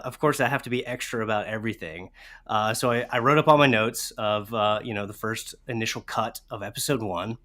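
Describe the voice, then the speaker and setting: A man's voice: medium pitch, a bit bright. A man chatting casually as a guest co-host, in a playful, self-deprecating way. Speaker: guest co-host, writer and voice actor. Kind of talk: casual chat.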